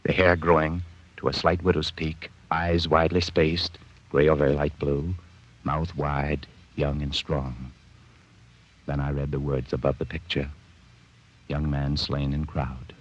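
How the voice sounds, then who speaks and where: A man's voice: a bass voice, level tone, measured pace. An actor playing a haunted, guilt-ridden man who stammers tensely, narrating and speaking in an old radio drama, recorded as a dull old radio broadcast. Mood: brooding. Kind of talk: 1940s radio acting.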